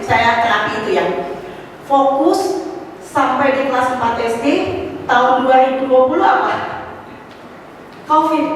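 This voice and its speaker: In a church hall, a middle-aged woman shares her testimony with the fellowship, her voice a little high and marked by a slight cough. Her storytelling is animated, rising to exclamations, with casual asides, slang and English words mixed in. She sounds distant, wrapped in long reverb and a faint hum of room ambience.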